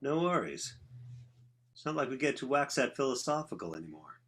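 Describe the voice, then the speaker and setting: A man's voice: mid-range voice, big pitch swings, fairly quick, a bit bright. Guy playing a bookish musician explaining stuff earnestly, middle-range voice, stage play reading. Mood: matter-of-fact. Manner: explanatory, intellectual. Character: earnest, bookish male rock musician and philosophy graduate. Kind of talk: conversational dramatic play reading.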